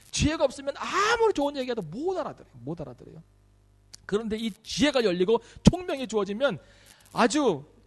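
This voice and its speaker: The speaker talks at a fairly quick pace with long, frequent pauses. The pitch swings very widely. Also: man, extremely high pitch for a man. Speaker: pastor. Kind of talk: bible study lecture. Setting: church. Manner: fast.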